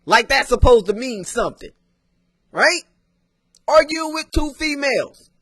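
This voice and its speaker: A man giving sarcastic, emphatic casual commentary as he pauses and reacts to a clip. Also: very high-pitched, expressive, pushed and bright, no echo, studio quality.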